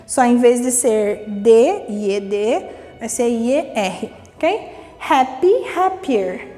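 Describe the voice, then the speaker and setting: A woman teaching English grammar in a recorded online lesson, lively and encouraging, reading rules slowly and then explaining them. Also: fairly high pitch, long reverb tail, soft background music. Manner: lively and encouraging, repeating "vamos lá" and "ok?".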